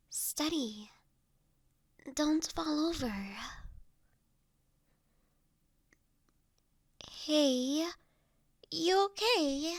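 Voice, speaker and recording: A woman playing a gentle, courteous young noblewoman who looks after the listener in an intimate roleplay audio drama, with soft, formal, old-fashioned phrasing. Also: sits high, no echo, heavily acted. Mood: concerned. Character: gentle, courteous young noblewoman, doting new master of an automaton.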